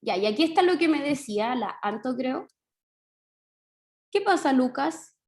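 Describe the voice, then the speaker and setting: Chilean woman, primary teacher on a video call, slightly high, patient and encouraging, echoey call audio. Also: lively intonation. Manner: patient, encouraging, drawn-out stressed syllables. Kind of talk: online class teaching.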